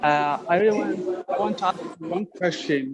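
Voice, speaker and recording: A man from Ethiopia politely asking a question on a video call, halting between phrases. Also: sits high. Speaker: audience questioner. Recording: dull, noisy video-call line.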